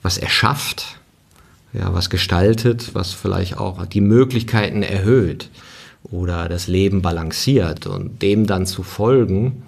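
Low-voiced man musing on self-growth. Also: measured pace, creaky. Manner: thoughtful, tags sentences with "ne". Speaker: seminar leader. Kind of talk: reflective conversation.

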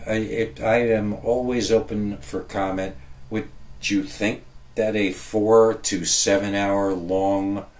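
A deep-voiced man hosts a solo podcast at a very slow pace. He is casual and hesitant, rambling off into digressions as he goes. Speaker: podcast host.

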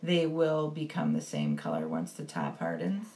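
A woman giving a relaxed, step-by-step baking lesson as a voice-over, with frequent ums. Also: extremely low pitch, moderate pace. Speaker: baking instructor. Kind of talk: instructional voice-over.

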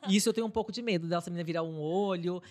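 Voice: medium pitch, very fast, background noise. A podcast co-host with a Brazilian accent, playful and teasing, given to dramatic exclamations. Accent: Brazilian Portuguese. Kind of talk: casual interview chat.

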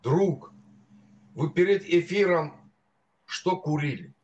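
A man's voice: on the high side, slow pace, darkish tone. A man on a live video call, mocking and incredulous, repeating his questions. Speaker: live stream guest. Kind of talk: argumentative live chat. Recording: dull muffled internet call audio.

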